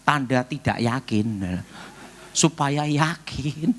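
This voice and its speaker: Animated evangelist man preaching. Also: medium pitch, slow pace. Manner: animated storytelling, acts out dialogue, shouts prayers. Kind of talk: sermon testimony.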